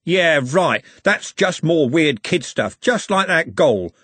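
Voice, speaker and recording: A man voicing a brutish, angry male football thug who shouts coarsely in an audiobook. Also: fairly high pitch, expressive, takes it slowly, slightly rough, no room sound, pitched above the performer's own voice, exaggerated voice. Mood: furious.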